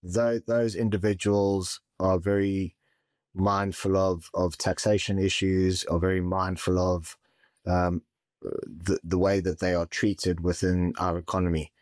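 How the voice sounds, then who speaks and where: Very deep-voiced man advising. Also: little pitch movement, darkish tone, no room sound, studio quality. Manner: measured, stumbles and repeats words. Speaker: mortgage and property advisor. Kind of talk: conversational interview answers.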